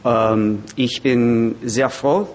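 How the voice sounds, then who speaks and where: A man's voice: medium pitch, fairly even intonation, extremely slow, low-quality recording. A man with an English-speaking accent in German gives a personal testimony to a group, searching for words in simple learner's German. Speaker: speaker at a recovery meeting. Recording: background noise, room ambience.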